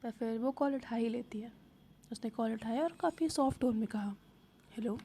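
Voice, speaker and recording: A woman's voice: fairly high pitch, moderate pace, warm tone, slight background noise. A woman narrating a love story in a plain, conversational storytelling style.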